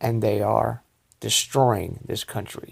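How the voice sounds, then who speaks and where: With vocal fry and an American accent, a man speaks very slowly at a medium pitch with fairly even intonation. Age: 60s. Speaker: political commentary vlogger. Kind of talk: monologue commentary.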